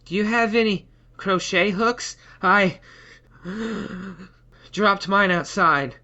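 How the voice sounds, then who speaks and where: A woman's voice: mid-range voice, extremely slow, pushed and bright. A woman playing a timid, earnest, hesitant crafter in an audio comedy drama. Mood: panicky. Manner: hesitant, nervous. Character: timid, anxious, earnest crafter named Tristan. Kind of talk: audio fiction comedy acting. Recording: dull, band-limited microphone sound.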